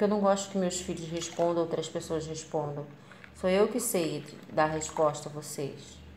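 A woman speaks fairly slowly with ordinary pitch variation. Light background noise and audible room echo surround her voice. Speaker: home cleaning-product maker and video creator. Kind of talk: tutorial. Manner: casual, chatty. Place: home room. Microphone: phone near.

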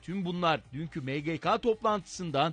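Very slowly, a man speaks at a high pitch with lively intonation. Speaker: news reporter. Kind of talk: news voiceover.

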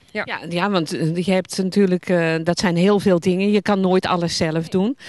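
A woman speaks in a plain, everyday voice at a medium pitch with ordinary pitch variation. Her pace is fairly slow, and the background is quiet. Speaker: TV presenter. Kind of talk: interview questions.

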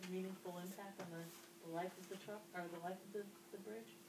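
Fairly quick speech over loud background noise. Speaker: board member. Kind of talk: public board meeting. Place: meeting room. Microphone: camera far.

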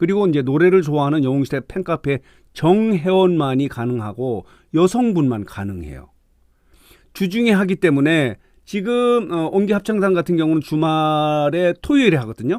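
Here a man talks at a moderate pace. His fairly high pitch moves in very wide swings. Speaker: news commentator host. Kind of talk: news commentary presentation. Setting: phone call interview segment.

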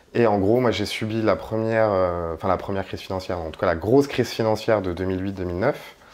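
At a fairly quick pace, a man talks in an ordinary speaking voice with a fairly low pitch. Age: 30s. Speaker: entrepreneur, company co-founder; guest. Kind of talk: interview. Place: home room.

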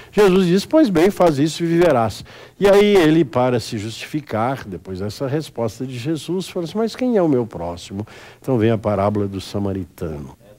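Dark, mellow tone, this voice moves at a moderate pace with very wide pitch swings. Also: man, medium pitch for a man. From Brazil. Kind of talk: homily. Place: studio.

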